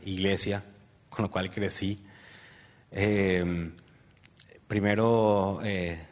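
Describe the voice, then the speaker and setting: A man with a Paraguayan Spanish accent, an interview guest giving a personal testimony in a rambling way, full of fillers and tag questions. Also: on the low side. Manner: rambling storyteller, many fillers and "¿verdad?" tags. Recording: long hall reverb.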